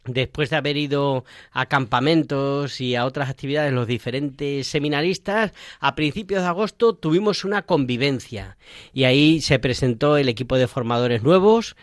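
A man's voice: mid-range voice, moderate pace, no room sound, studio quality. A man hosting a casual radio chat, playful and joking about his own stumbles. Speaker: radio show host, seminarian.

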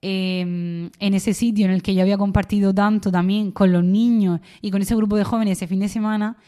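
Young woman guest, earnest testimony, halting with fillers and restarts, mid-pitched voice. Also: fairly even intonation, dark tone. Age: young adult. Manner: emotional storytelling with many fillers and restarts. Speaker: interviewee, university student. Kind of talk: personal testimony in conversation.

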